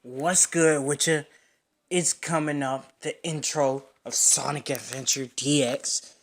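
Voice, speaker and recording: A man's voice: on the high side, steady tone, slow. A man hosting a gaming playthrough in a casual, rambling, slangy way, as let's-play commentary. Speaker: video game streamer and host. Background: video game music.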